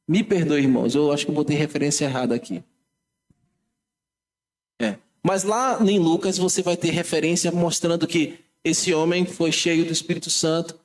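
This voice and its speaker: A man with a Brazilian Portuguese accent, a pastor teaching a Bible class in church, talking conversationally and correcting himself as he goes. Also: on the high side. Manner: conversational, self-correcting, addresses congregation directly.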